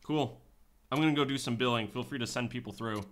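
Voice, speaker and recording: Man acting as a bright-voiced, wry private detective. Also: medium pitch, quick pace, close to an everyday voice. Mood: offhand. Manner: dry, offhand, sardonic. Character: wry, laid-back male private detective in futuristic Boston. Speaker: actor in a radio play. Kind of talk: sci-fi radio drama acting.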